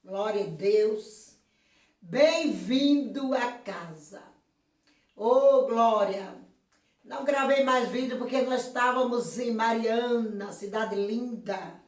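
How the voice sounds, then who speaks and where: A hoarse woman pastor from Brazil giving a slow, emphatic sermon-style video message, with frequent praise interjections. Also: a little high. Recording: echoey room, voice from a distance.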